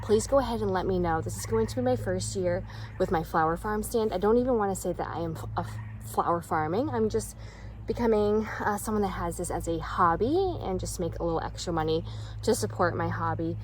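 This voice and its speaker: A woman's voice: lowish voice, fairly quick, a little hiss or hum, rough recording. A woman chatting casually through a gardening vlog outdoors in her backyard, walking around and showing her plants, recorded on a phone, getting out of breath as she works. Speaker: gardening vlogger. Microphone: phone camera.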